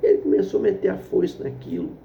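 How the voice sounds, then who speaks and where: Brief: male preacher, vivid storyteller, slightly high voice, dull lo-fi sound. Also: huge pitch swings, quick pace, gravelly, slight background noise. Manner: vivid storyteller, addresses listeners as brothers. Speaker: pastor. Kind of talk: storytelling sermon. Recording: echoey dull lo-fi room.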